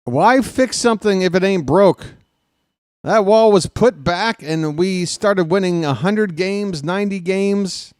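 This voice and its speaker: Wry, smooth-voiced man calling baseball. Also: high-pitched, unhurried, no room sound, studio quality. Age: 40s. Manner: wry, sarcastic asides and grumbling between calls; gets loud and animated when ranting. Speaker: fan play-by-play broadcaster. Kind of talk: casual live play-by-play with rambling commentary.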